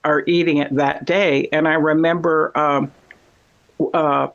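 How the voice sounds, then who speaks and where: Chatty guy, bit high-pitched, rambling casual storyteller. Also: little pitch movement, measured pace, vocal fry, a bit bright, muffled recording. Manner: rambling, chatty, many fillers. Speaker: conversation partner. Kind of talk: casual chat.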